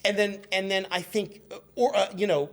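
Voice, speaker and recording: Male radio-show guest, 50s, higher voice, animated and sweary casual storyteller who stumbles over his phrasing. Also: moderate pace, gravelly. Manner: animated, profane, stumbling as he tells stories.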